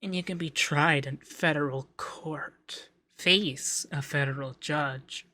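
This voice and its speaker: Man acting a bright-voiced, coy, effeminate young accountant. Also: on the high side, slow, slight background noise. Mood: quietly menacing. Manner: coy, teasing, lilting, hesitant in places. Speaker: ASMR voice actor. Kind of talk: ASMR roleplay.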